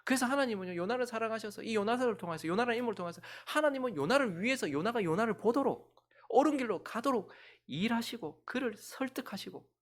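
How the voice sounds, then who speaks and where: A male pastor preaching a sermon. He swings between loud outbursts and hushed whispers. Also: very high-pitched, lively intonation, quick pace.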